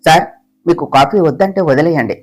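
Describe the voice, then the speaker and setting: A woman's voice: low voice, a little fast, faint music behind, pitched below the performer's own voice. A woman voicing a bold, cheeky young office assistant who teases her boss and talks back.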